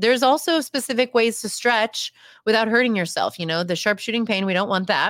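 Delivered at a fairly quick pace with ordinary pitch variation, an ordinary speaking voice comes through on a very clean recording with a silent background. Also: woman, fairly high pitch for a woman. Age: 40s. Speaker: yoga and Pilates instructor. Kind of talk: interview.

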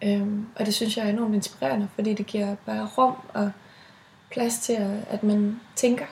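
Over noticeable background noise, a woman with a fairly high pitch speaks at a fairly slow pace with fairly even intonation. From Denmark, North Jutland. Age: 20s. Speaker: student and writer. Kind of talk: interview.

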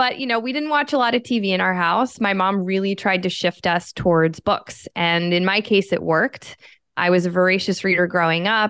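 An ordinary speaking voice at a fairly quick pace with ordinary pitch variation, over a quiet background. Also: woman, medium pitch for a woman. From Pennsylvania. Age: 40s. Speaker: author and investor. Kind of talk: casual interview.

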